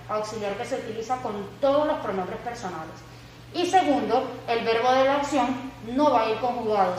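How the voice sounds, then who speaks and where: A woman English teacher explaining grammar to her class in Spanish, slowly modelling the English example sentences. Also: on the high side, recorded from a distance, a little hiss or hum. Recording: echoey room, voice somewhat off mic.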